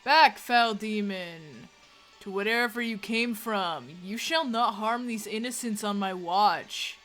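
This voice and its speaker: Woman playing a loud, grandiose demon-fighting pastor. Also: medium pitch, slow, soft background music. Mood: righteous, commanding. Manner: grandiose, declamatory. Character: righteous pompous male demon-fighting pastor.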